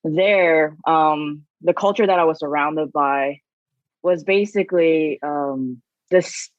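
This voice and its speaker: A woman's voice: low voice, slow, no echo, muffled recording. A woman from South Korea, a guest on a podcast, telling her story in a chatty way with many fillers.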